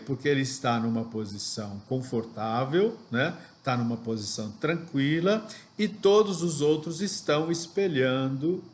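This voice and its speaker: A man's voice: medium pitch, slight background noise. A man teaching a sales training lesson, explaining step by step and checking in with rhetorical questions. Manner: didactic, asks rhetorical questions, frequent "ok?" and "né?".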